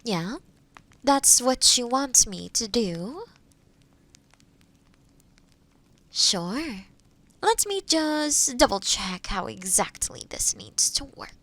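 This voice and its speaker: A woman playing a kind forest witch in a roleplay audio drama, explaining things gently and thoughtfully to the listener. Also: on the high side, very animated, slow, exaggerated voice.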